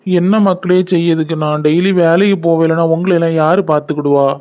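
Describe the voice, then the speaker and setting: A man's voice: on the high side, steady tone, a little fast, natural voice. A man voicing a tired middle-aged working father in a cartoon, plain-spoken. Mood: weary. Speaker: voice actor for several male figures. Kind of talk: cartoon voice acting. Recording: dull lo-fi sound.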